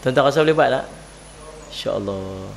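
A man's voice: medium pitch, lively intonation, moderate pace, creaky, a little hiss or hum. A male Islamic preacher with a Northern Malaysian Malay accent gives a humorous sermon, laughing often and putting questions to his audience. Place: religious lecture gathering.

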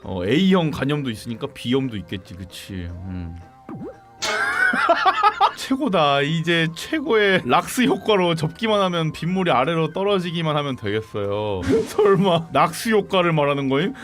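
A man's voice: a little high, sing-song, measured pace. A man streamer giving casual reaction commentary, exclaiming and laughing often with incredulous asides. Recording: background music under voice.

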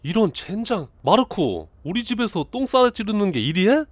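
A man's voice: sits high, very animated, moderate pace, dry recording, pitched above the performer's own voice. A man reading the lines of a grumpy male game character who is irritated and sarcastic with his friend. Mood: annoyed.

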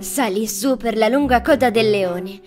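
A woman's voice: a little high, unhurried. A woman storyteller reading scripted fairy tale narration for children. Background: background music.

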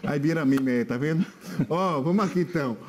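A man's voice: a little high, fairly quick, a little hiss or hum. A Bahian man in his thirties presenting TV news live in a studio, informal and teasing with colleagues. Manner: jokey, teasing.

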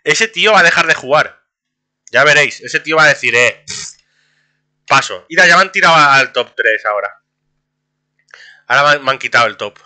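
A young man, streaming a game and talking to his chat in a casual, excitable way, laughing often. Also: fairly high pitch, fast talker, long pauses. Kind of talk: casual gameplay commentary.

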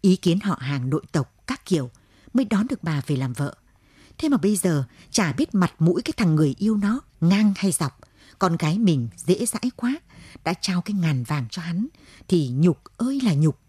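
A woman narrating a radio short story in a steady storytelling manner. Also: fairly low pitch, normal speed, slightly rough, dry recording.

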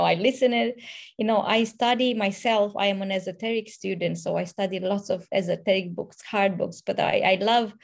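A woman's voice: mid-range voice, gravelly. A woman from Romania, a native Romanian speaker, telling her story as a guest on a video call from home, chatty and repeating words as she goes. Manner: chatty, repeats words, acts out quoted talk. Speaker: interview guest. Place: room at home, indoors.

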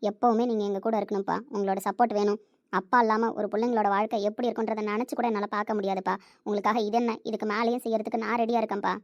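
A woman's voice: medium pitch, level tone, very fast, dry recording, lo-fi sound, natural voice. A young woman playing a self-sacrificing daughter who pleads with and reassures her father. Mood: pleading. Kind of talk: amateur family drama acting.

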